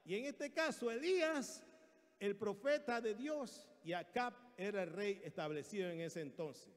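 Animated preacher in a reverberant church hall. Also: male voice, high-pitched, unhurried. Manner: animated, dramatic, acts out quotes, calls for amens. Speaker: pastor. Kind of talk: sermon. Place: large church sanctuary.

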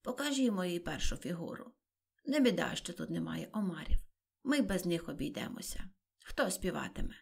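A woman's voice: fairly low pitch, animated, a little fast, gravelly, slightly rough, full character voice. A woman voicing a mournful, wordy sea turtle creature from a storybook, who chants a doleful dancing song. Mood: fussy. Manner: singsong, lamenting.

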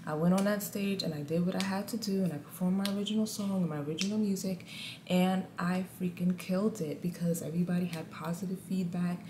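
A woman in her thirties speaks straight to the camera in a deep contralto voice. She talks candidly and with lots of animation, the way you chat with followers. The small room adds a noticeable echo and a faint hum underneath. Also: fast. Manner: candid, animated, says guys a lot. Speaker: vlogger. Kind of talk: casual motivational talk to camera. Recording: echoey room, faint ambient noise.

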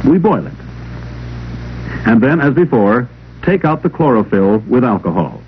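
A man reading scripted instructional narration for a 1950s classroom film in a measured, didactic way. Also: mid-range voice, big pitch swings, husky. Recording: old 16mm film soundtrack, narrow telephone-like band.

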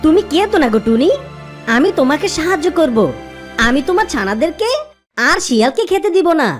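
A woman's voice: high voice, very animated, brisk, soft background music. A woman voicing a clever, confident goat in a children's cartoon, with an emphatic, theatrical delivery. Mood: reassuring, confident. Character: clever, helpful goat who bluffs as jungle king.

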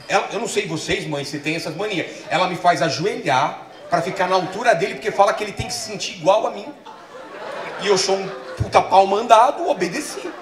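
A man's voice: high voice, a little fast. A middle-aged man from Brazil doing a stand-up set, telling stories and acting out the voices. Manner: animated storytelling with acted-out voices. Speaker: stand-up comedian. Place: comedy festival stage. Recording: roomy live stage sound.

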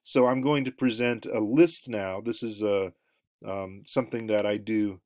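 Halting middle-aged man lecturing from home. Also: fairly low pitch, fairly even intonation, darkish tone, no echo, studio quality. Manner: rambling, many ums and uhs. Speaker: anthropology lecturer. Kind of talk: recorded online lecture over slides. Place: home room, indoors.

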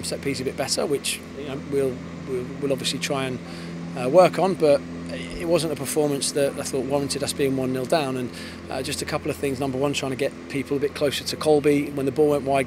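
A man in his thirties, an English football head coach, giving a post-match interview outdoors on a floodlit pitch at night, fast and thoughtful with many restarts. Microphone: handheld interviewer mic. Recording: outdoor with clear background noise.

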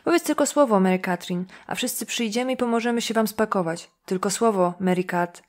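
A woman playing a loud, mocking small-town man. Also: high voice, a little fast. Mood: taunting. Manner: drawling, taunting, repeats himself with laughs.

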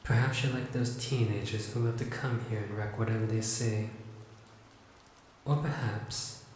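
A slow, menacing vampire lord, voiced by a man, speaks from deep within a long-reverb hall. His voice sits low and unhurried. Faint rain patters in the background. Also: steady tone, darkish tone, slight background noise, natural voice. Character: ominous male vampire lord greeting an intruder. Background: rain ambience.

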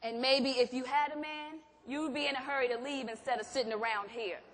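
A woman's voice: high voice, steady tone, brisk, fairly bright tone. A woman acting in a stage play as an anxious, defensive wife who insistently brushes questions off. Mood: impatient. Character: Gloria, defensive anxious wife covering for her husband. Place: theatre stage. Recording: echoey theatre hall.

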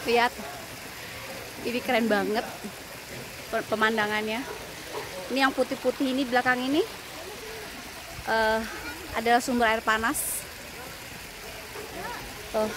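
A woman in her thirties excitedly vlogging at outdoor hot springs, talking to viewers through a phone camera. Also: fairly high pitch, unhurried, long pauses. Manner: excited, exclaiming, addresses viewers as guys. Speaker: travel vlogger. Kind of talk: casual travel vlog. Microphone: phone camera held at arm's length. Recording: outdoor phone audio with loud background noise.

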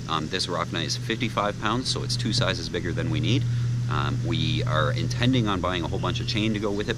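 A deep-voiced man in his thirties, a liveaboard sailor hosting a sailing vlog, explains boat projects in a relaxed, joking how-to style full of ums and uhs. He films on a handheld action camera held close to his face, moving between the cabin and deck of a sailboat at a marina, and loud wind and handling noise fill the recording.

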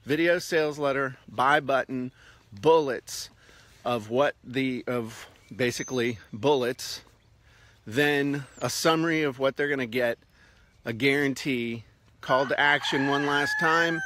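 A man's voice: mid-range voice, fairly bright tone. A man in his fifties giving blunt, plain-spoken advice in a casual vlog, recorded outdoors on a phone held at arm's length. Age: 50s. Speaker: vlog host, online marketing advisor. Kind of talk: casual talk to camera while doing chores. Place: outdoors in a rural backyard by sheds.

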